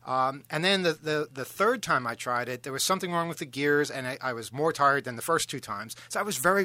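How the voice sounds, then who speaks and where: A man hosting a radio talk show, telling a long self-deprecating story in a halting, rambling way. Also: on the high side, pushed and bright, dry recording. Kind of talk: casual on-air storytelling.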